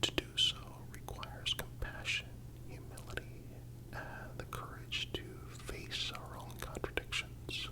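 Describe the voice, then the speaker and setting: An ASMR narrator who whispers throughout at a slow, deliberate pace. The delivery is soothing and scripted, with a breathy, unvoiced texture and careful, measured phrasing.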